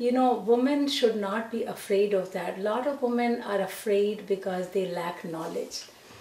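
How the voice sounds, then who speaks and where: A woman with a fairly high pitch speaks at a moderate pace, with ordinary pitch variation and hardly any pauses. Noticeable background noise and audible room echo are present. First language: not English. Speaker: real estate agent. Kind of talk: panel talk on radio show.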